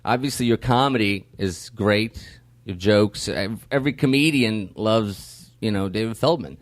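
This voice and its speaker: A man's voice: on the low side, unhurried, no room sound. A man hosting a casual podcast, asking curious questions and teasing his guest. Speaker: podcast host interviewer.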